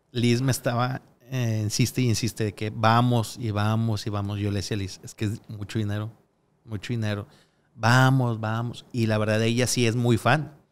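The voice belongs to a man with a medium pitch. His intonation is monotone and flat. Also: moderate pace. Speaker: comedian and character performer. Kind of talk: casual interview. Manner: quiet, not very talkative.

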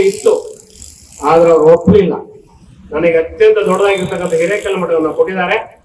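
Recorded with audible room echo and noticeable background noise, a man speaks with fairly even intonation. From Karnataka, Hoovina Hadagali area. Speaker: journalist and former teacher. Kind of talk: public speech at commemoration event. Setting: stage with audience.

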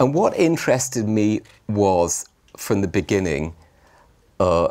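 Over a quiet background, a man with a fairly low pitch and lively intonation talks in a normal speaking voice. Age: 50s. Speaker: entertainment journalist and author. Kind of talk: Q&A panel talk. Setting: stage with audience. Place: stage.

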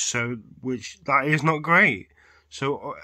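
The recording of this man has a dry sound with no echo. Behind him the background is quiet. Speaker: football fan vlogger. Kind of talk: casual vlog chat. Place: home room. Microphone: phone near.

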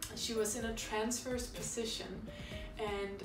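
Clear music plays in the background while a woman speaks at a fairly high pitch. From Denmark. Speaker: chiropractor. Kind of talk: talk to camera introducing treatment. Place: office.

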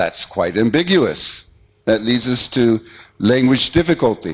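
Lively intonation in a man's voice of medium pitch. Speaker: polyglot speaker. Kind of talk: lecture. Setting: stage with audience. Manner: deliberately enunciated, sometimes exaggerated; halting. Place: hall.

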